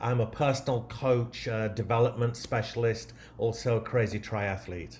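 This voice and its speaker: Somewhat breathy, a man with an English accent speaks in a monotone, flat intonation. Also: medium pitch for a man, moderate pace. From England. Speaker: personal coach, improv performer. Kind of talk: casual introduction at online improv show. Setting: online video call with audience.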